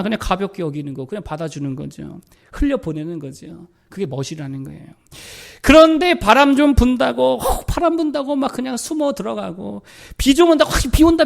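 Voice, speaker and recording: Male pastor, middle-aged, preaching in a high, lively voice with constant rhetorical questions to the congregation. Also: creaky. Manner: asks the congregation rhetorical questions, animated swings of pitch and volume. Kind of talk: sermon. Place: church sanctuary.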